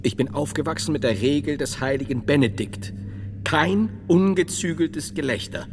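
An actor playing a stern medieval monk and thinker in a radio drama, speaking in a solemn, precise, pedantic way. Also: male voice, on the high side, lively intonation, normal speed, noisy background, lightly acted. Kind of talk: theatrical radio drama acting. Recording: long reverberant hall, music underneath.

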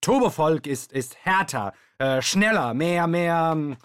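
An actor playing an excitable, euphoric Yugoslav male radio host with a theatrical, rambling way of moderating a live show. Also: a little high, unhurried, smooth. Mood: flustered. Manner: theatrical, rambling, exuberant, switching from hushed to shouting. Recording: music behind the voice. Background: music.

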